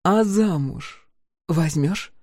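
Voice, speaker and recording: A man's voice: a little high, extremely slow, a little mellow, dry recording, studio quality, pitched above the performer's own voice. A man reading an audiobook, voicing a bold, mocking young village girl who speaks slyly and haughtily. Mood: teasing. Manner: sly, teasing, haughty.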